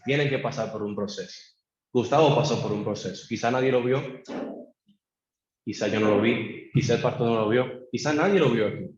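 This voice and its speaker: A man preaching a sermon in church, acting out pleading prayers and leading the congregation in call-and-response. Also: brisk. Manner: acts out a believer's pleading prayers to God. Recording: echoey church room, dull low-fi sound.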